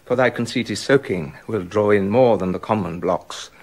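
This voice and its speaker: With no room sound, a fairly low, darkish male voice moves at normal speed. He plays a middle-aged king in a radio drama, brooding and jealous, whose bitter muttering escalates into furious accusation.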